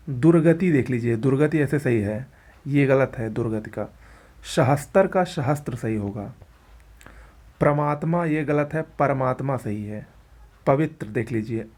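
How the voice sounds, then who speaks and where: In a medium-pitched, slightly mellow voice, a man briskly works through words in an exam-prep spelling lesson, pointing at what's written on screen.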